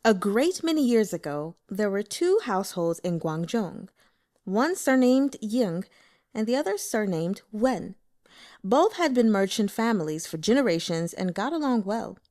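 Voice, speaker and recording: A woman narrates a novel as an audiobook. Her pitch sits mid-range but moves in lively sweeps. She tells the story with expressive, deliberate storytelling. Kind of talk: scripted narration.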